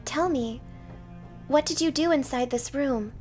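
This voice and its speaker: A woman voicing a hot-headed, flustered young woman knight in a visual novel game, loud and declamatory. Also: high voice, measured pace, soft background music. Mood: challenging.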